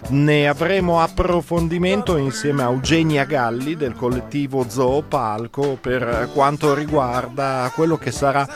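A man's voice: mid-range voice, fairly even intonation, a little slow, few pauses, music in the background. A man hosting a morning radio show, presenting events and interviewing a guest in a formal announcer manner. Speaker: radio host. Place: radio studio.

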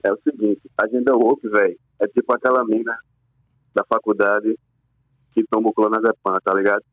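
A man from Paraíba phones in to a talk show, his voice a little deep and coming through a phone line. The line is muffled and dull, with a dry, close sound. He talks in slangy, laid-back banter. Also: level tone, moderate pace, no room sound. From Paraíba, Brazil. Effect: over a phone line. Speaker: call-in listener. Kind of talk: casual call-in chat.

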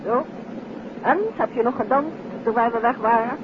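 A woman's voice: on the high side, normal speed, natural voice. A woman acting a detective's refined, lightly wry wife in a 1950s radio drama, with a genteel manner. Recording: tinny, noisy 1950s radio recording.

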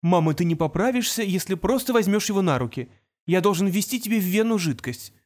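A woman reading the part of a cold, brilliant teenage boy in an audiobook, speaking in a calm, measured way. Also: mid-range voice, pitched above the performer's own voice, natural voice. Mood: tense.

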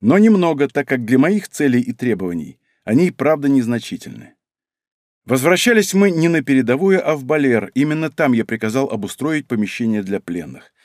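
A male narrator reads a first-person novel aloud, his pitch moving freely across each phrase. His voice sits in the middle of the range. The sound is dry and close, with no room in it. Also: sing-song, a little fast, a little mellow, dry recording. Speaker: audiobook narrator.

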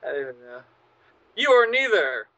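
A man's voice: high-pitched, big pitch swings, normal speed, bright, forceful tone, poor audio. A man co-hosting a casual podcast chat, sardonic and swearing freely. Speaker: podcast co-host.

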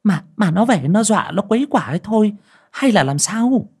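A shrill older aunt scolds her relatives in a spoken ghost story, put on by a woman narrator. Her voice climbs high and loud, with a husky edge and wild swings in pitch. She sounds bossy and fearful. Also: big pitch swings, moderate pace. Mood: probing. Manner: shrill, berating, superstitious scolding. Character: harsh scolding older woman, clan head's wife.

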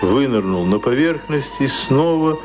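A man narrating a literary radio drama in a solemn, deliberate, dramatic style. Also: mid-range voice, animated, natural voice. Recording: prominent music under the voice.

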